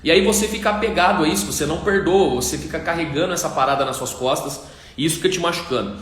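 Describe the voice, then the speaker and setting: A man's voice: a little high, quick pace, a bit bright. Man preaching. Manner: emphatic, repetitive preaching, addresses viewers directly. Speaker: pastor. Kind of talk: livestream sermon. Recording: echoey room.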